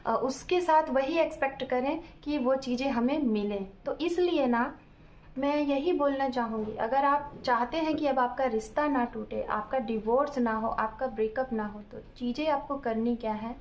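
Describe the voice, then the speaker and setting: High-pitched lady tarot reader chatting advice to viewers, lots of examples, keeps checking in. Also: darkish tone. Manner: explains with everyday examples, often checks in with "ठीक है"; addresses viewers directly. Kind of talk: casual relationship advice talk.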